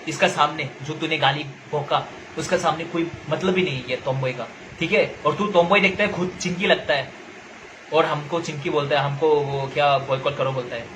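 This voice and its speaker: A young adult man from Nagaland, India, a social media commentator, rants angrily straight to camera in a high voice, speaking a little fast against a noisy background. He's confrontational, lecturing and repeating himself.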